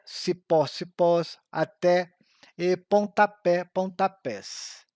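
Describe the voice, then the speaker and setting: A man reads an exam-prep grammar lesson, slowing down carefully over the examples. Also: sits high, darkish tone, no echo, studio quality. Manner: slow, careful reading of examples.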